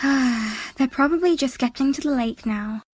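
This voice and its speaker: A woman's voice: sits high, unhurried, slightly rough, no room sound. A woman playing a defensive, sardonic young time-travelling adventurer in an audio drama. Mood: weary.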